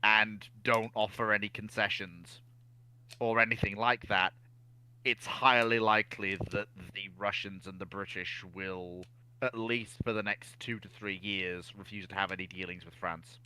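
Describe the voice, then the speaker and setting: A man's voice: fairly low pitch, fairly even intonation, a little slow, pushed and bright, poor audio. A man on a discussion panel, talking history casually and building his argument step by step.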